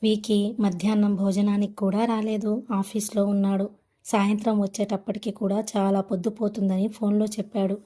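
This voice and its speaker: A woman reads a novel aloud as narrator, in a steady, even storytelling manner. Her voice is mellow and warm, pitched in a middle range. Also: moderate pace. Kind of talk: audiobook novel reading.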